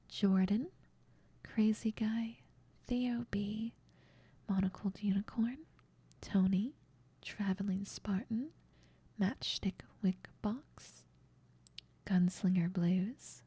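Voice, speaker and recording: A woman who makes ASMR videos, giving a soft, grateful, whispered outro. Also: mid-range voice, breathy edge, no room sound. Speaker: ASMR creator.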